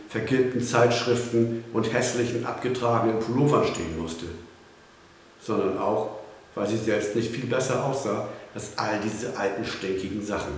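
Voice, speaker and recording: A man narrating a children's storybook in a calm, measured reading, in an echoey room with faint hiss. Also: mid-range voice.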